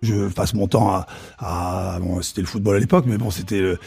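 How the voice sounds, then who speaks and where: A man speaks at a moderate pace with fairly even intonation and a fairly low pitch. His voice is somewhat breathy, with a dark, mellow tone. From Paris suburbs (Yvelines), then Touraine. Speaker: chef. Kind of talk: interview. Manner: halting, many fillers and repetitions.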